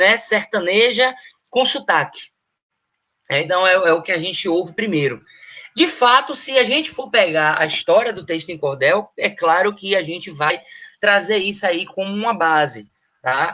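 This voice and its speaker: A man projects a raised, high-pitched voice with a bright, sharp tone. His intonation is lively and his pace moderate. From Bahia, Brazil (Salvador). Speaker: cordel poet and workshop teacher. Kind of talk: online workshop talk. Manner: halting, many fillers.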